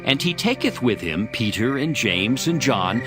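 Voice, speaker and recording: A man's voice: mid-range voice, big pitch swings, measured pace. A man narrating scripture from a script for a dramatized audio Bible. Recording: music behind the voice. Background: background music.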